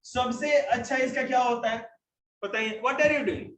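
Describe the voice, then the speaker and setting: A male teacher giving a spoken English lesson to a class, slowly explaining each example sentence in Hindi and English. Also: very high voice, a bit bright, reverberant, slight background noise, poor audio.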